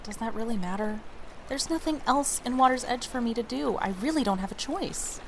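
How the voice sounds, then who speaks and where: A woman's voice: on the high side, expressive, fairly quick, slight background noise. A woman playing a feisty, blunt young woman, a protective best friend with a casual, sassy way of talking, in an audio drama. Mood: self-deprecating, frank.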